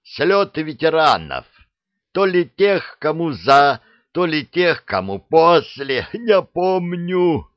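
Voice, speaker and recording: A man's voice: a little high, very animated, takes it slowly, dry recording, dull audio, pitched above the performer's own voice. A man doing a drawling silly dragon head. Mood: playful. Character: cheerful silly dragon head, male, playful.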